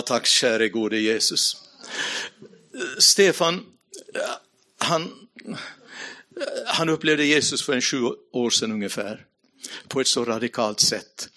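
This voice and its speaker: A man preaching a sermon, telling a personal testimony and speaking to the congregation directly, dropping to a hush at tense moments and laughing lightly now and then. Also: mid-range voice. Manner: storytelling, addresses the audience directly; speaks in a hushed voice at dramatic moments.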